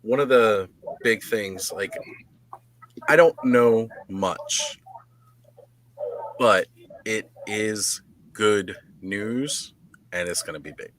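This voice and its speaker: A man with a low voice hosts a casual live chat. His recording carries background noise and small clicks. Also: drawn-out words, pauses often, fairly bright tone. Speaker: live stream host. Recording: noisy live stream with clicks.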